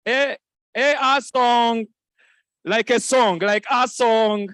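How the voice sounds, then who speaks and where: A man hosting a live event on stage, playful and quick to laugh as he teases the crowd into repeating greetings. His voice sits high for a man. The sound is dry and close, with little room echo. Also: steady tone, a bit bright, clear, resonant tone. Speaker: event host. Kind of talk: lively crowd interaction. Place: conference hall stage.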